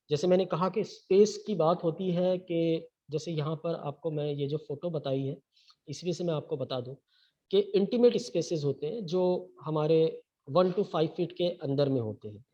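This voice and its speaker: A man's voice: sits high, dark tone. Man lecturing in a webinar, dull audio. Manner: mixes Hindi and English, frequent "okay?" check-ins. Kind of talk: online training lecture. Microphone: webinar computer mic.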